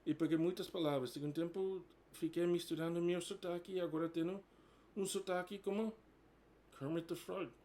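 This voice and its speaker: A man's voice: sits high, fairly even intonation, normal speed, a little mellow. Casual vlogger, man in his 40s, native English speaker, hesitant learner Portuguese mixed with English. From United States. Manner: hesitant, many fillers, switches between Portuguese and English. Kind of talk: casual bilingual talk to camera.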